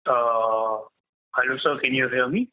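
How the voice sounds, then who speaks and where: A male caller putting questions to company management on a conference call, halting and deferential in his phrasing. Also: medium pitch. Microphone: phone call. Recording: narrow tinny phone line.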